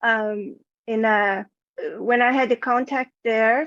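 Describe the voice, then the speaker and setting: A woman with a Brazilian Portuguese accent, fairly high pitch and fairly even intonation, in a dry, close sound with no echo against a quiet background. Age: 50s. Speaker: healing session client. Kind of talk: casual conversation. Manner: hesitant, many fillers.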